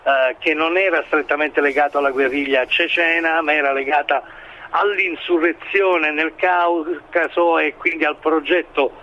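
Higher-voiced man, halting analytical interviewee. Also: fairly even intonation, pushed and bright, lo-fi sound, slight background noise. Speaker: expert commentator being interviewed. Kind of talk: interview analysis of current affairs.

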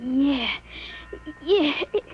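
A woman playing a bewildered thirteen-year-old boy in a 1950s radio drama, speaking in a dazed, halting, precise way. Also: sits high, expressive, a little mellow, soft background music, heavily acted, low-quality recording. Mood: subdued.

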